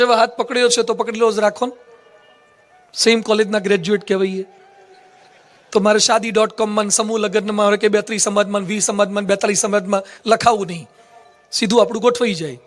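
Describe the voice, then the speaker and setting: A monk giving a religious discourse to a live audience, playful and teasing, quizzing the children. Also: male voice, high voice. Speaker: monk preacher. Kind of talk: humorous Gujarati religious discourse. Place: assembly hall with a live audience.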